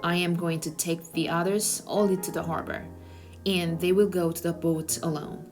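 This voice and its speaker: A woman voicing a firm, serious man who quietly gives instructions during a secret escape in a storybook. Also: fairly even intonation, normal speed, music in the background, natural voice. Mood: grave, instructing. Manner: firm, low-key instructions.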